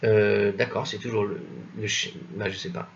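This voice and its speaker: A man teaching a commented reading of an old religious text, thinking aloud with many hesitations and self-corrections, slowly sounding out foreign words. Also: fairly low pitch, flat delivery, creaky, dull audio, a little hiss or hum. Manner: spells out Hebrew and Old French words slowly. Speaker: Talmud study teacher.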